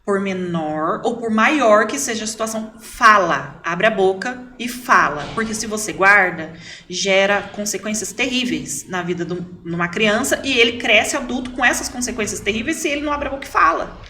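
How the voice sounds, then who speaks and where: A middle-aged woman, a podcast guest, telling a family story in a lively way and repeating words for emphasis. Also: medium pitch, fairly quick, slight background noise. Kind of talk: casual storytelling.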